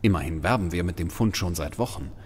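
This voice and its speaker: An actor playing a shaken, hesitant museum director in an audio drama. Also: male voice, low voice, slightly rough. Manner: hesitant, halting. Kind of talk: German audio drama acting. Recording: long hall reverb, faint music.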